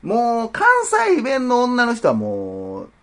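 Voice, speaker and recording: A man's voice: very high-pitched, wildly swooping pitch, slow. A man in his twenties with a Kansai accent, co-hosting a casual podcast, teasing his co-host and reading listener mail. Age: 20s. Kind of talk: casual chat.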